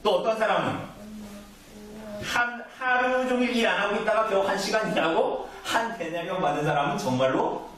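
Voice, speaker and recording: A man's voice: high voice, a bit bright, far from the mic. A man preaching a sermon to his congregation in a conversational way, often asking them questions and acting out the people in his story. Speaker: pastor. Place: church sanctuary. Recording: echoey church recorded from afar.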